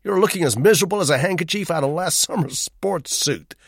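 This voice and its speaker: A man reading the part of a cheerful, chatty young man, with a raised voice and a bright, breezy manner. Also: on the high side, fairly quick, vocal fry, husky, no echo, clean studio sound, voice pushed up.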